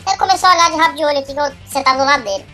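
A Brazilian man telling a work story in casual chat, his voice raised by a pitch-shifting voice changer. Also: faint music behind. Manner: rapid, animated storytelling with frequent tag questions. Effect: pitch-raising voice changer, high chipmunk-like. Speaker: podcast panelist.

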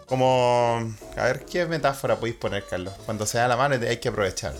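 Un hombre con acento chileno conduce un podcast con tono bromista y lleno de modismos, en una voz de tono medio. Se oye una música suave de fondo. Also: male voice, medium pitch, faint music behind. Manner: joking, slangy, drawn-out greetings. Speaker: podcast host. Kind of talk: casual podcast banter.

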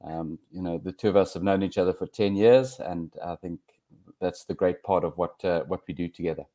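A man with a South African accent giving measured, conversational answers as an interview guest. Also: sits low, steady tone, warm tone. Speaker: interview guest, field hockey umpire.

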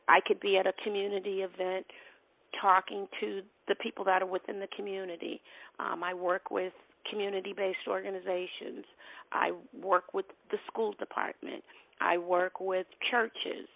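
A woman's voice: medium pitch, creaky, no room sound. A middle-aged woman from Boston with a Boston accent, an earnest nonprofit leader answering interview questions, repeating and restarting her phrases as she speaks. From Boston, USA. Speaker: nonprofit president, guest. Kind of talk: interview conversation. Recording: tinny phone-like line.

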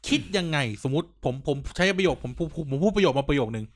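A young man in casual crude chat with a friend, blunt and quick to agree or push back. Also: fairly high pitch, expressive. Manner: blunt, chimes in with short agreements.

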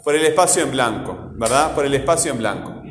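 A man's voice: mid-range voice, expressive, a little fast. A male teacher giving a class lesson, quizzing his pupils and often checking in with a questioning "right?". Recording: echoey room with long reverb, faint noise.

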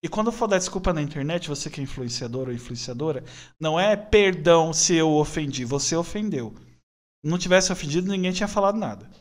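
Brief: late-20s São man, opinionated podcast guest, rambling but earnest, voice a touch high. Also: animated, quick pace. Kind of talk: casual podcast conversation.

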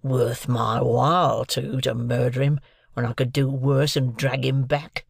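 A reader voicing a hard, disdainful male convict who talks low, muttering and half-whispered. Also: level tone, measured pace, gravelly, husky, no echo, studio quality, exaggerated voice. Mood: scornful.

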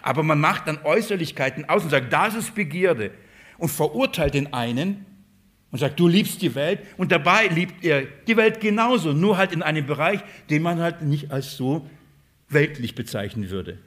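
A man's voice: on the high side, animated, normal speed, a bit bright. A man preaching a Bible-study sermon, putting questions to his listeners and answering them himself.

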